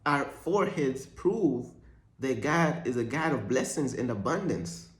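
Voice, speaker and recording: A man's voice: mid-range voice, animated, unhurried, roomy sound. A young man from Uganda giving a joking, slangy faith vlog monologue as a Christian content creator.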